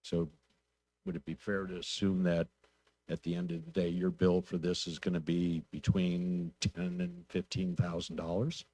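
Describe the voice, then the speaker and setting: A man speaking as a council member at a public meeting, asking probing questions in a plainspoken, deliberate way. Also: low voice, little pitch movement, darkish tone, breathy edge.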